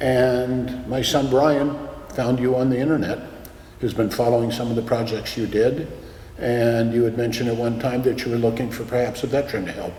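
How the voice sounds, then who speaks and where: A man's medium-pitched, monotone, flat delivery at a fairly quick pace, with noticeable background noise and audible room echo. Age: 60s. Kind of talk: casual interview.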